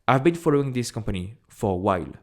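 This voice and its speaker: A man's voice: medium pitch, lively intonation, quick pace, darkish tone. Man with a strong French accent. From France. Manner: chatty and direct, repeats phrases, frequent "uh" fillers. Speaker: investing YouTuber. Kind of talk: casual talk to camera.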